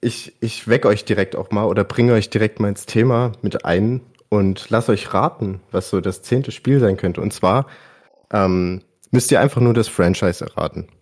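Man, low voice, informal slangy gaming podcast talk. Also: normal speed, a little mellow. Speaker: podcast guest presenting his favourite games. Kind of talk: casual podcast chat about video games.

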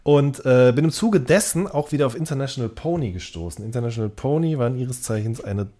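A man's voice: mid-range voice, expressive, fairly quick, dark tone. A man chatting casually as a podcast co-host, often repeating short words of agreement. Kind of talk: casual chat.

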